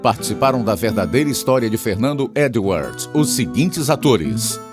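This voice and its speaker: A man's voice: mid-range voice, lively intonation, normal speed. A man with a Brazilian accent reading scripted evangelistic radio narration as an announcer, earnestly addressing listeners. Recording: guitar music behind the voice.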